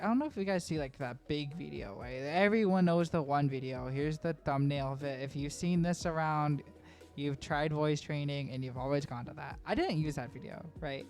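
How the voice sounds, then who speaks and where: A trans woman vlogger rambles through a casual voice-over recorded at home, often tagging on "right?" and laughing between thoughts. Her voice is low-pitched with a darkish tone.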